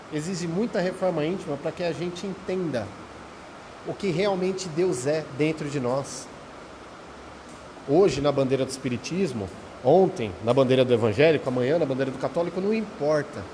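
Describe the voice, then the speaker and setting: A man with a Brazilian Portuguese accent gives an informal spiritual talk, his voice a little higher than most men's. He speaks conversationally and keeps checking in with his listeners. The sound carries a long hall reverb, with faint rain heard behind him. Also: darkish tone, a little hiss or hum. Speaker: speaker at a Spiritist study center.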